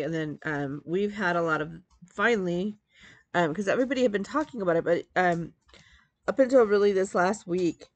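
A crafting vlogger from Metro Detroit, Michigan, a woman in her forties, chats casually to the webcam on her desk in her home craft room. Her voice is fairly low pitched, congested and nasal, and she rambles with plenty of ums and restarts. The recording is dry.

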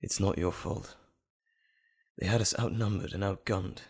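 A man's voice: sits low, steady tone, unhurried, gravelly, husky, full character voice. A man playing a wry, anxious civilian doctor held captive in an audio drama. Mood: wry, uneasy.

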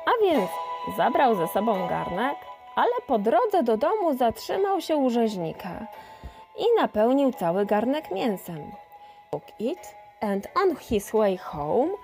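A woman reading a folk tale aloud in two languages, slow, expressive and gentle. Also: fairly high pitch. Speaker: storyteller. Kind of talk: bilingual storybook reading, each line repeated in translation. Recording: faint music under the voice.

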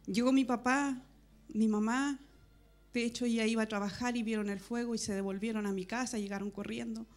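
Soft-spoken high-voiced woman testifying. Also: fairly even intonation, a little fast. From Chile. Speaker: church member giving testimony. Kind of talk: personal church testimony. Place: evangelical church meeting.

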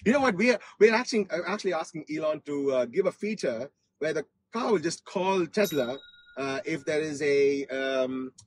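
A man from Australia hosts a car vlog with a slightly high, husky voice. He talks casually and enthusiastically, often repeating himself, as he comments from inside the car. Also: expressive, normal speed, low-quality recording. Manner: enthusiastic, repeats phrases, hesitant with frequent repetition. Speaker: host of a car test-drive vlog. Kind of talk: casual excited live commentary.

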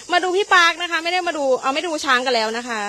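A woman's voice: extremely high pitch, normal speed, bright, forceful tone, a little hiss or hum. A woman hosting a live stream outdoors at an elephant camp. She chats and teases in a casual way, laughs often and thanks viewers for their gifts. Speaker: livestream host.

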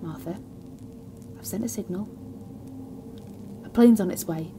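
A woman's voice: medium pitch, unhurried, very noisy, natural voice. A woman acting in an audio drama as a desperate, exasperated trapped scientist with a blunt, commanding manner. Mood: wary pleading.

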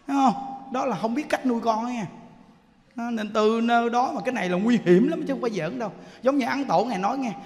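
A man with a Southern Vietnamese accent preaching a Buddhist sermon in a lively way, often asking the audience questions. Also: very high voice. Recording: long hall reverb.

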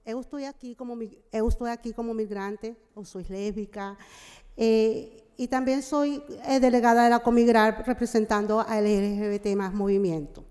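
A middle-aged woman gives a formal speech in a halting Portuguese-mix, stopping often to hesitate. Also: fairly high pitch, steady tone, mellow. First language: Spanish. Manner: mixes Portuguese with Spanish (portunhol). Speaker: representative of a migrant community organization. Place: large wood-panelled legislative chamber, indoors. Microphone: gooseneck desk microphone. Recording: echoey hall with long reverb.

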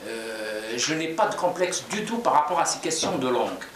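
A Kabyle-born novelist in his forties, from Kabylie, Algeria, gives thoughtful interview answers in a small office, hesitating often and gesturing as he talks. His mid-range voice is expressive at a normal speed. The recording is echoey and distant, with crowd murmur behind him.

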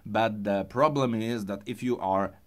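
A man explains a looper step by step, halting with fillers and restarts. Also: lowish voice. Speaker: music gear tutorial host. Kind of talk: casual tutorial explanation.

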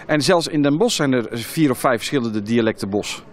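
A man's voice: medium pitch, animated, brisk, slight background noise. A man in his forties doing informal street interviews outdoors with a handheld microphone. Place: outdoor market.

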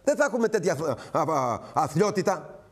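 Brief: middle-aged male host, fairly high voice, indignant rhetorical monologue, piles up lists and direct appeals. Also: sing-song. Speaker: TV current-affairs host. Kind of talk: impassioned political commentary monologue.

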